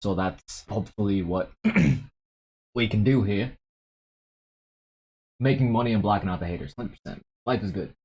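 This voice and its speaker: A young man hosting a casual livestream about day trading, laid-back and quick to laugh, reading out chat messages. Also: fairly low pitch, a little mellow, husky.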